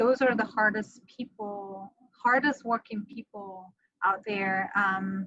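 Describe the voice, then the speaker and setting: A woman with a Romanian accent speaks very slowly in a bright, sharp tone, keeping her intonation fairly even. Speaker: mortgage lender. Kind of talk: interview.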